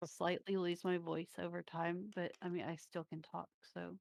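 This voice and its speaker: A woman's voice: lowish voice, level tone, normal speed, vocal fry, darkish tone. A woman chatting casually with friends as a player in a tabletop game. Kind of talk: casual gaming chat.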